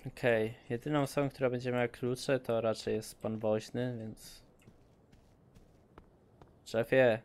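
A man's voice: medium pitch, little pitch movement, measured pace, long pauses, darkish tone, smooth. Joking, swearing gaming streamer man. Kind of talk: casual let's-play commentary.

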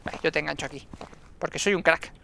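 A man giving excitable gameplay commentary and talking to himself as he plays. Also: a little high, fast, creaky, a little hiss or hum. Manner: excitable, talks to himself and the game. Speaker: gaming YouTuber.

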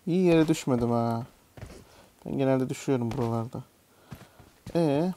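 A young man talks his way through a mobile game with a mellow, darker voice. He mostly mutters to himself at a middling pitch, then bursts into swearing and yelps when a jump fails. His voice has a faint noise under it. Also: normal speed. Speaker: gaming YouTuber. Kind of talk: casual gameplay commentary.

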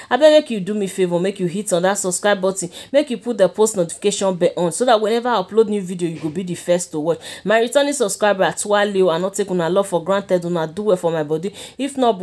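A woman's voice: mid-range voice, darkish tone. A woman with a Nigerian accent hosting a gossip channel, talking chattily to her viewers in Pidgin and calling them "my people" again and again. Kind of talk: casual gossip commentary. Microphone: voice-over.

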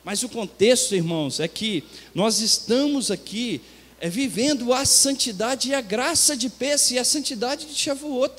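High-voiced man preaching in a hall. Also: measured pace, a bit bright. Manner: conversational preaching, rising to emphatic. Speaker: pastor. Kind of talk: sermon. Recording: reverberant church hall.

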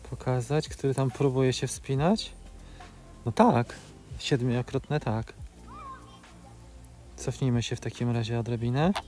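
Flying his drone out in open grassland, a drone video creator in his forties narrates a hands-on, step-by-step tutorial with filler sounds between phrases. His voice is medium-pitched and mellow.

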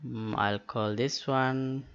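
A man narrating a step-by-step software tutorial in a halting, matter-of-fact manner. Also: mid-range voice, fairly even intonation, clean tone. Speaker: tutorial host. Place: indoors, screen-recording voice-over. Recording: dull lo-fi voice-over with clicks.

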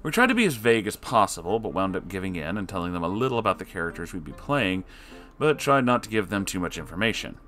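Man, story reader, low voice, sarcastic asides, lively delivery, soft background music. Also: fast. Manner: lively, swings between loud and quiet. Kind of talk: reading an online story aloud with comments.

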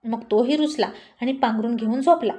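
A woman telling a family story aloud in a steady, expressive reading voice. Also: a little high, brisk. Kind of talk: story narration.

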